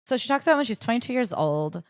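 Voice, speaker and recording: A young woman co-hosting a podcast, summarizing a book and reading passages aloud in a brisk, chatty way. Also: fairly high pitch, big pitch swings, no echo, clean studio sound. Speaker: podcast co-host. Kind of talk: casual book-club chat with read-aloud passages.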